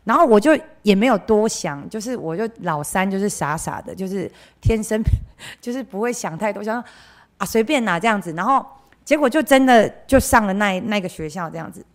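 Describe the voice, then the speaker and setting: A woman's voice: medium pitch, animated, fairly quick. A young woman from central Taiwan with a Taiwanese Mandarin accent gives a candid, chatty personal testimony at church. She often trails off with filler phrases and acts out the voices of people she quotes. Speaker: church member giving a testimony.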